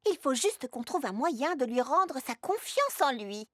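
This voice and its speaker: A woman voicing an earnest, excitable young girl in a French cartoon dub, speaking expressively and exclaiming often. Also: sits high, measured pace, faint music behind, exaggerated voice. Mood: caring, eager. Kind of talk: French animated series dub.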